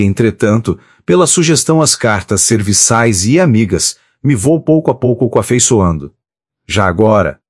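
A man reading a book of letters aloud in a steady, measured way, reading the page headings out too. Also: mid-range voice, dry recording, clean studio sound. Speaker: audiobook reader.

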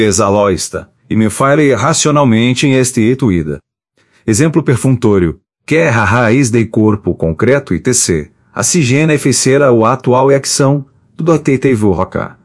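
A man's voice: medium pitch, expressive, unhurried, no echo. Man reading an audiobook, dry sound. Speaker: audiobook narrator.

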